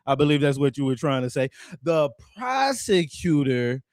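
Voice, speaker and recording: A man's voice: medium pitch, flat delivery, racing, darkish tone, dry recording, clean studio sound. A man giving casual, profane ranting commentary, laughing often and mocking someone.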